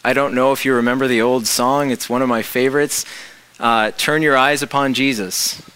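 A man's voice: mid-range voice, steady tone, moderate pace, a bit bright, clean tone, poor audio. A man preaching a reflective sermon, explaining scripture with rhetorical questions.

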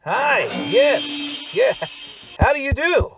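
A man's voice: extremely high pitch, sing-song, slow pace, over music, exaggerated voice. A man playing a cranky, goofy, boastful horror-show host, teasing and clueless in comic banter. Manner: theatrical, teasing, clueless wisecracking. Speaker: podcast host character.

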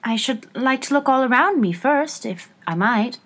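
Woman as high-voiced, polite little storybook girl. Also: wildly swooping pitch, normal speed, fairly bright tone, exaggerated voice. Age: child. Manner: polite, earnest. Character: polite, puzzled seven-year-old girl Alice.

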